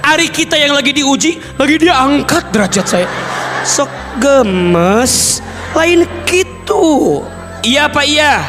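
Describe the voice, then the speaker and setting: A man with a Sundanese accent giving a lively sermon, acting out everyday conversations and breaking into loud, emphatic lines. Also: very high-pitched. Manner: animated, acts out everyday dialogues, bursts into loud emphatic lines. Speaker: preacher. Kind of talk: lively sermon to a mostly female audience.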